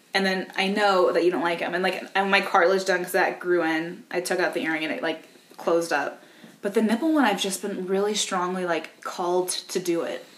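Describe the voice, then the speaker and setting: A woman's fairly fast speech competes with noticeable background noise. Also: medium pitch for a woman, ordinary pitch variation. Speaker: comedy podcast host. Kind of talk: casual chat.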